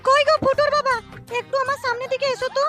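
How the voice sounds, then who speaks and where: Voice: very high voice, steady tone, fast, over music. An actor voicing a fussy, affectionate old wife in a comedy cartoon. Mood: coaxing, hurt. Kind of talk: comic cartoon dialogue.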